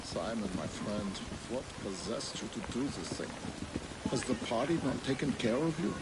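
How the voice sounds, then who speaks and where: An actor playing an earnest Victorian union leader, speaking gravely, recorded as game audio with ambient noise. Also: male voice, medium pitch, expressive, normal speed, close to an everyday voice.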